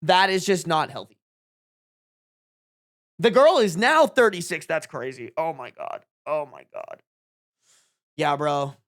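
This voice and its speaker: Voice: medium pitch, expressive, slow pace, long pauses, a bit bright. A streamer in their twenties chatting casually to a live audience, with slangy, emphatic talk and frequent swearing. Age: 20s. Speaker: livestream host. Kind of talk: casual reaction stream chat.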